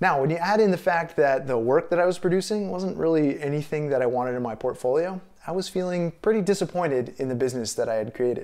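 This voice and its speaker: A man with an American accent talks at a very fast pace with hardly any pauses, a fairly high pitch and lively intonation. The background is quiet. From New York State, US. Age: 40s. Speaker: architect and course creator; course creator. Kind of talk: scripted narration. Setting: in his studio. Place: home room.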